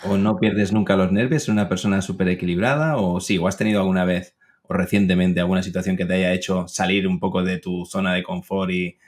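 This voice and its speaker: Playful, friendly interviewer. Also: male voice, low-pitched, level tone, a little fast. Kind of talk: conversational interview.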